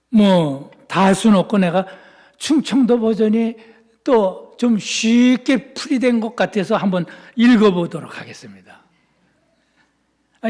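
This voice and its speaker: A pastor from Seoul with a high-pitched voice delivers his sermon, climbing into fervent shouts and then sinking into soft, quiet asides. His voice rings through a church sanctuary with a long, lingering reverb.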